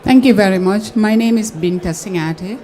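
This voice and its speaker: A woman's voice: medium pitch, normal speed, mellow, a little hiss or hum. A woman from the Gambia speaking from the audience, hesitant with frequent fillers. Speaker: audience member. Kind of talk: question from the floor.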